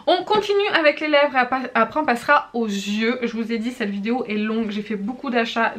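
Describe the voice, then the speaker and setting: Chatty higher-voiced woman reviewing makeup. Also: fairly bright tone. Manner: chatty, frequent hesitations and self-corrections; demonstrates products while talking. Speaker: beauty vlogger. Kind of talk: casual product review to camera.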